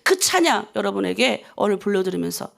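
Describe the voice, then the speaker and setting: A woman's voice: mid-range voice, sing-song, a little fast, vocal fry. A middle-aged woman pastor giving a dawn prayer sermon, telling stories with feeling and acting out prayers to God. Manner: emotional storytelling, acts out prayers to God.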